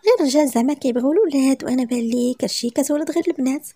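A woman's voice: sits high, rapid-fire, mellow, breathy edge. A woman voicing a young, fiery wife and mother in a story, with a Moroccan accent and emphatic, protesting delivery. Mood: curious. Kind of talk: storytelling with acted dialogue.

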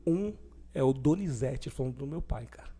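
A young adult man, a podcast guest, telling his personal faith story in animated conversation and acting out the voices of people he quotes. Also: medium pitch, brisk.

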